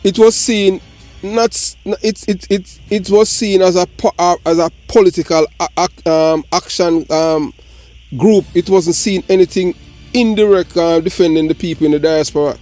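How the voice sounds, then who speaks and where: A Jamaican man ranting on a live political talk show, forceful and repetitive with many restarts. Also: sits high, steady tone, normal speed, faint music behind. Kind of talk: heated political call-in talk.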